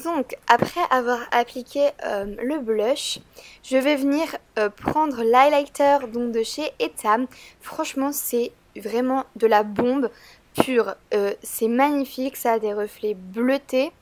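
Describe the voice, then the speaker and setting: Congested from a cold, this female beauty vlogger meanders through a makeup tutorial in a slightly stuffy, fairly high voice. She speaks slowly and a little mellow, her chatty delivery peppered with small hesitations and many "euh" fillers.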